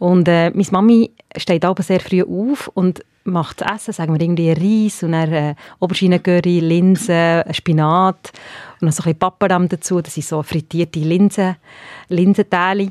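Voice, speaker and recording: In an ordinary speaking voice, a woman talks at a moderate pace in a fairly low pitch with fairly even intonation, the recording very clean with a silent background and a dry, close sound with no echo. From Switzerland, Bern. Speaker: lawyer and mediator. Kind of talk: radio interview. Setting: studio.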